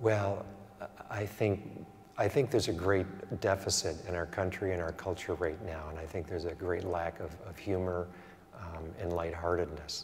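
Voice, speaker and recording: Speaking with an American accent, a man uses a very deep, low pitch and fairly even intonation at a moderate pace. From United States. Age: 60s. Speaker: craniosacral therapy teacher. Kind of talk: interview. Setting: hotel room. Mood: calm, warm. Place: home room.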